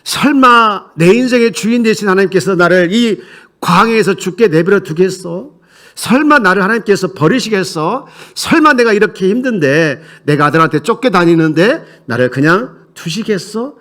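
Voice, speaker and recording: A man's voice: sits high, lively intonation, moderate pace, fairly bright tone. A man voicing a hunted old king and father who asks himself pleading questions and reassures himself in hardship. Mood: anxious, hopeful. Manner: pleading self-talk, rhetorical questions.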